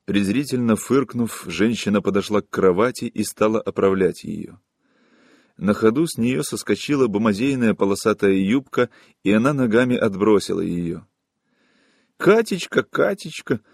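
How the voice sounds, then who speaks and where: A man reading a literary story aloud in measured, even narration. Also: lowish voice, creaky, no echo, clean studio sound. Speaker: audiobook narrator.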